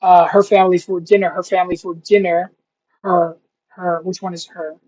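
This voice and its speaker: Young man, husky voice, casual rambling self-talk, sounds out words slowly, middle pitch, dull lo-fi audio. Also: flat delivery, a little mellow. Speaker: language learner vlogger. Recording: dull lo-fi recording.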